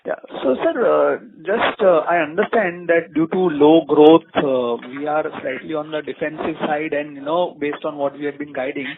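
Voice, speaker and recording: High-voiced man on a tinny phone line. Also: steady tone, moderate pace, few pauses, background noise. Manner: probing, builds a question from many figures. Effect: heard over a phone line, faint and feeble. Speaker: caller asking questions on an earnings call. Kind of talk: conference call question.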